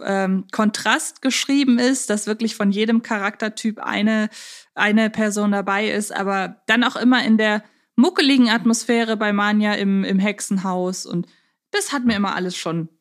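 A woman's voice: mid-range voice, fairly even intonation, moderate pace. A woman co-hosting a podcast, talking casually and conversationally, thinking aloud as she discusses a series. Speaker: podcast co-host.

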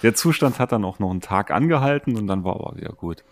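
A man's voice: on the low side, expressive, fast, no room sound. A middle-aged man chatting casually as a podcast co-host. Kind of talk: casual chat.

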